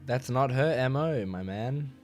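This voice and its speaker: A man who runs an anime reaction channel, talking casually to his viewers while sick, so his voice is gravelly and raspy and he coughs, rambling with many fillers and bursts of excitement. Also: mid-range voice, unhurried, soft background music. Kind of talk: casual chat to camera, reacting to an episode.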